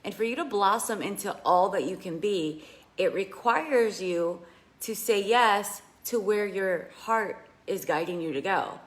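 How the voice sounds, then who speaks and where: A slightly raspy woman giving an earnest coaching talk on a live video, asking her listeners questions. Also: fairly low pitch. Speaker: money mindset coach. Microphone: phone held in hand.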